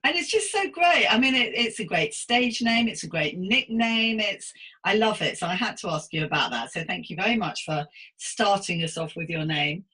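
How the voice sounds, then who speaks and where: A woman's voice: mid-range voice, lively intonation, normal speed, sharp tone, slightly rough. A woman of about sixty, hosting an interview podcast in an encouraging, polite, effusive manner. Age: around 60. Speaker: podcast host and psychotherapist. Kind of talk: scripted intro and chatty interview hosting.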